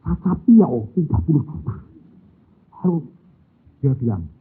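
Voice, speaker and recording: A man's voice: mid-range voice, sing-song, normal speed, husky. A middle-aged man, preaching a sermon as a folksy storyteller who acts out family dialogue. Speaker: pastor. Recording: lo-fi phone-like audio.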